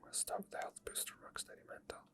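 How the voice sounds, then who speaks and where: A person whispering quiet, unscripted ASMR gameplay commentary in a breathy voice, unhurried and rambling, close to the microphone. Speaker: video game streamer making ASMR. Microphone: microphone tucked under a hoodie, close to the mouth.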